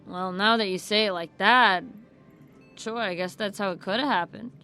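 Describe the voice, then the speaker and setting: An actress playing a flippant, irreverent former employee in an audio drama, blunt and offhand, with folksy colloquial speech. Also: female voice, medium pitch, normal speed, pushed and bright, faint music behind, close to an everyday voice. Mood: breezy, brazen. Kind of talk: audio drama acting as interview guest.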